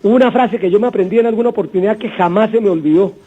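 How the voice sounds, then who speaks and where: A man's voice: high voice, fast talker, husky. A man with a Colombian accent hosting a motivational radio sermon, repeating points and telling stories; his voice sounds strained. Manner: warm storytelling, repetitive exhortation. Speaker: radio host. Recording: dull radio broadcast, faint music.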